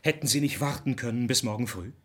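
An actor playing an irritable, blustering husband in a drama, husky and exasperated. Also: male voice, mid-range voice, fast, lightly acted. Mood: indignant.

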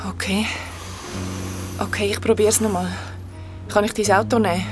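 A woman's voice: medium pitch, flat delivery, normal speed, lightly acted. An actress playing a lost young woman who pleads and pushes urgently. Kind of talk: audio drama acting. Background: music.

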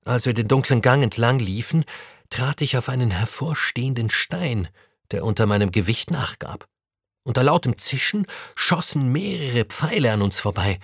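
A man reading a first-person adventure story aloud, with an animated, expressive delivery. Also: medium pitch, normal speed, husky, no room sound, studio quality. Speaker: story reader.

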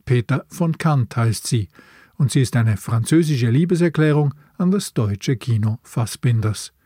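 Guy hosting a film podcast, scripted, mellow husky voice, really dry sound. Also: medium pitch, expressive, a little slow, no echo. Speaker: podcast host.

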